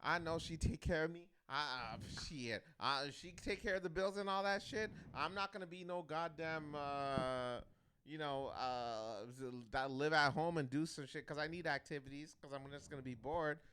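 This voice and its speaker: Loud, profane young man bantering. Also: fairly high pitch, normal speed, clear, resonant tone. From Canada. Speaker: podcast co-host. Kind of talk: casual podcast chat.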